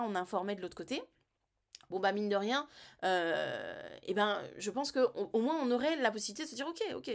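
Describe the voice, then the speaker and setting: A woman vlogger who talks about health news in an emphatic, colloquial and animated way. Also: medium pitch. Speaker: vlogger giving health advice. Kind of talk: casual commentary vlog.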